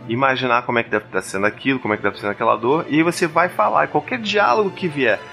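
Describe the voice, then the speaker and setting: A man with a Brazilian accent giving casual parenting advice to camera, animated and talkative, leaping up in pitch when he acts out a parent. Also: racing, gravelly, soft background music. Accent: Brazilian Portuguese. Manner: animated, jumps high when quoting a parent. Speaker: parenting vlogger, father.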